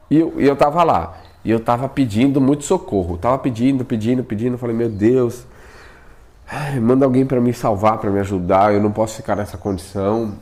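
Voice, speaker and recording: A man, telling a personal experience in casual spoken storytelling and acting out what he said back then. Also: mid-range voice. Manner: animated, acts out his own past pleas, often asks himself "por quê?".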